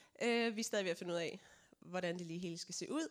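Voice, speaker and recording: This is a woman speaking. Her pitch shows ordinary variation. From Denmark, North Zealand. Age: 20s. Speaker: trainee pastor. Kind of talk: personal testimony in church. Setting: church service with congregation. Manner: hesitant, many fillers.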